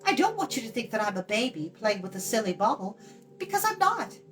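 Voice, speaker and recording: A woman's voice: fairly high pitch, big pitch swings, brisk, fairly bright tone, faint music behind, pitched above the performer's own voice. A woman voicing a chatty, blunt young girl in a fantasy storybook, in a light, musical voice with a breezy manner. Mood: polite, defensive. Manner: breezy, talkative, matter-of-fact. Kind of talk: children's fantasy storybook reading.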